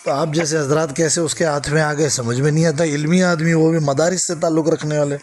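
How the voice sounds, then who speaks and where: A man's voice: on the high side, steady tone, fairly quick, darkish tone. A man arguing persistently on a recorded phone call, addressing the other man with honorifics and talking over him. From Gujarat, India. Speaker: caller questioning a cleric on a recorded phone call. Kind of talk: argumentative phone conversation.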